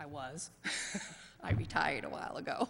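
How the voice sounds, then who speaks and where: At a fairly slow pace, a woman with an American accent speaks amid audible room echo. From Massachusetts. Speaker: board applicant, retired EMT. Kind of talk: public meeting statement. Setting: town hall meeting. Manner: halting.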